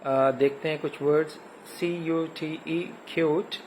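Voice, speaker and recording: A man with a Pakistani accent teaching an English lesson, spelling words letter by letter and pausing with frequent hesitations. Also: a little high, steady tone, darkish tone, slight background noise, low-quality recording. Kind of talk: recorded classroom lecture.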